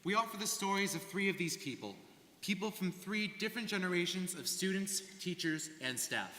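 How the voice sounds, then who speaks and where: A man's voice: high voice, expressive, moderate pace, bright, forceful tone. A young man, a student performer, giving an earnest, rehearsed stage narration of life stories. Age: young adult. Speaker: student performer in a dramatic reading. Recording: echoey hall, live stage reading.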